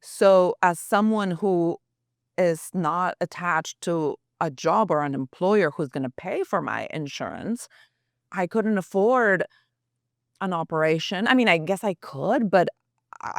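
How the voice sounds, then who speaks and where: A woman's voice: low voice, vocal fry, no room sound, clean studio sound. A woman journalist as a podcast guest, talking earnestly and thinking aloud with restarts. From United States. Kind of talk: reflective podcast interview.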